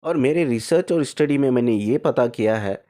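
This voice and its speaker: A man's voice: medium pitch, expressive, moderate pace, mellow. A male spiritual coach explaining his ideas, asking rhetorical questions and checking in with the listener over and over, with English phrases slipped into Hindi. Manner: repetitive, rhetorical questions, frequent "theek hai" checks. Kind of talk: explanatory talk to camera.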